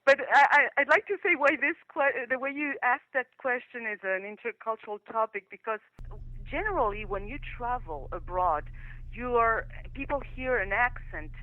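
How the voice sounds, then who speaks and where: A woman answers interview questions carefully and thoughtfully, pausing on fillers. Her voice comes through a narrow, tinny phone line with no room sound around it. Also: on the high side, no echo. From France. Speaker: guest, intercultural communication consultant.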